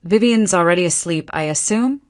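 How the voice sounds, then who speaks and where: A woman's voice: fairly low pitch, moderate pace, close to an everyday voice. A woman voicing a tearful, ailing older man. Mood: weary. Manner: soft, tearful delivery. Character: grieving older man, ill and shaken. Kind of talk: dramatized storybook quotes.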